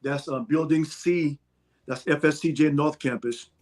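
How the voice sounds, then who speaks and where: A man with a somewhat high voice speaks as a guest on a show, giving out details in a casual way. His delivery is halting, with frequent self-corrections. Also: darkish tone. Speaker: interview guest promoting a stage play. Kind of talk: casual spoken announcement.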